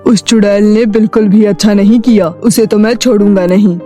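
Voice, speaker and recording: A woman voicing a wise, solemn male magical tree in a cartoon story, explaining earnestly and deliberately. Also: medium pitch, fairly even intonation, mellow, faint music behind, lightly acted. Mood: stern, instructing. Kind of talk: cartoon moral story voice acting.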